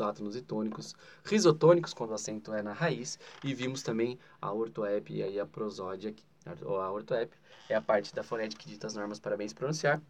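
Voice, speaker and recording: A man with a Brazilian Portuguese accent giving a grammar lesson in an explanatory way, often adding "né?" and leaning hard on key terms. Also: medium pitch. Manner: explanatory, with frequent "né?" asides and spoken emphasis. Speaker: teacher.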